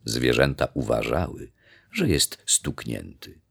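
A man reads a fairy tale to children in a very deep, gravelly, husky voice. He takes his time, and his pitch rises and falls with the story. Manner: expressive, unhurried. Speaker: storybook reader.

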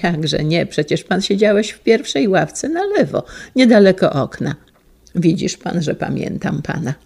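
A woman voicing a gentle, wistful elderly male schoolteacher, speaking softly and haltingly. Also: on the low side, sing-song, creaky, slightly rough, heavily acted. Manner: soft, halting and tender.

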